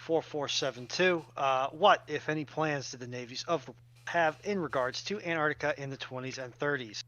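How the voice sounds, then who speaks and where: A man's voice: fairly high pitch, normal speed, a bit bright, no room sound, lo-fi sound. Dry-recorded man reading questions aloud. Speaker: co-host reading audience questions.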